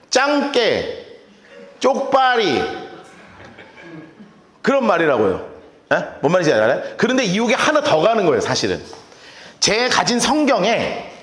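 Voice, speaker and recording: A man preaching a lively sermon, joking and acting out quarrels from the Bible in casual speech. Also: high voice. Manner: animated, jokey, acts out quarrels in casual speech. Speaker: pastor. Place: church sanctuary. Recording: roomy church hall reverb.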